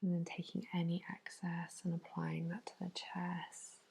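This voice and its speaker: Slow, breathy whispering ASMR woman. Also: on the low side, monotone. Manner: soothing, unhurried, hushed bedtime instruction. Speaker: facial massage therapist. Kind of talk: whispered ASMR massage narration.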